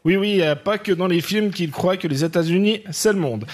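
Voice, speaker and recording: A man on a comedy panel telling a made-up story in a mock-serious tone, with quick asides. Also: high voice. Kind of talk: comic storytelling.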